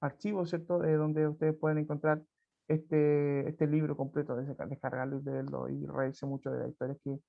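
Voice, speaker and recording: A Chilean man teaching a class over a video call, talking in a loose, chatty way and checking in with his students every few phrases. His voice sits a bit high for a man, with a gravelly fry. The audio is dull and lo-fi. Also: little pitch movement, moderate pace. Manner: conversational, frequent tag questions and restarts. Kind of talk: online class, reading and explaining a folk tale.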